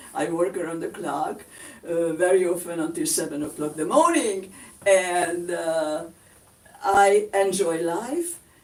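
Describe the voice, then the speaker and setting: A woman talks at a fairly slow pace with fairly even intonation. Audible room echo and noticeable background noise surround her. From France. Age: 80s+. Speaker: songwriter and author. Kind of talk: interview. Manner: halting.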